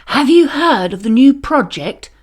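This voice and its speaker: A woman voicing an excited, chatty male construction vehicle in a children's storybook, eager and gossipy. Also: sits high, a little slow, pitched above the performer's own voice, heavily acted. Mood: excited, curious.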